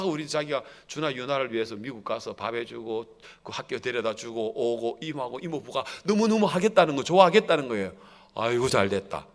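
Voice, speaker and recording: A man preaching a sermon as pastor, asking the congregation questions and swinging between loud exhortation and low, drawn-out endings. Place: church sanctuary.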